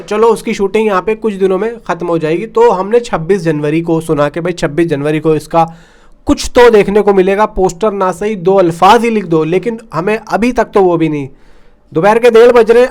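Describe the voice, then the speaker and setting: A man hosting film news commentary in a chatty, informal way, addressing viewers like friends. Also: high-pitched. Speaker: film news YouTube host.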